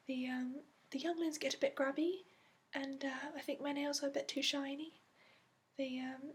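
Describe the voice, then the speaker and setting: A gentle dragon scholar acted out by a woman speaks in a soft, high voice for an ASMR fantasy roleplay. The melody stays flat and the explanations wander patiently, with many small hesitations, in a put-on accent. There is some noise behind the voice. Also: natural voice. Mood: polite, helpful. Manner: hesitant, gentle, meandering explanations with frequent fillers. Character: soft-spoken, patient female dragon expert interviewing a new student. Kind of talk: ASMR roleplay, hushed and improvised.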